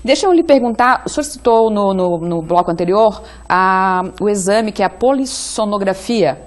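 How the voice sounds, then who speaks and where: A woman hosting a TV studio interview with a Brazilian Portuguese accent, asking polite, lively questions. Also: mid-range voice, moderate pace. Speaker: TV interview host.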